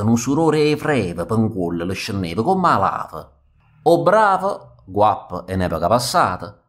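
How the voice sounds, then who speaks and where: A man with a Neapolitan accent reciting comic dialect verse in a rhythmic, expressive, theatrical way. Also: fairly low pitch. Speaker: actor reading verse.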